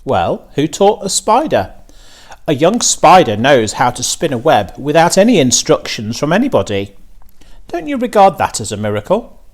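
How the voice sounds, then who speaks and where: A man reading as a calm, animated country doctor. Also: on the high side, moderate pace, voice pushed up. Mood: wry, wondering. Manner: thoughtful, reassuring, musing. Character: calm, wise, philosophical male country doctor. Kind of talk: children's storybook reading.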